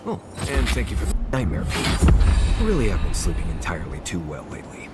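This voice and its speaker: Deep, sardonic adventuring companion. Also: male voice, a little fast, over loud music. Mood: wry. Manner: deadpan sarcasm, wry. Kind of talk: video game character dialogue.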